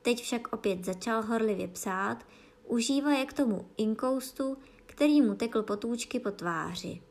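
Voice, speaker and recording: A woman with a slightly high voice reads a children's storybook aloud. Her narration is calm and expressive, paced for young listeners.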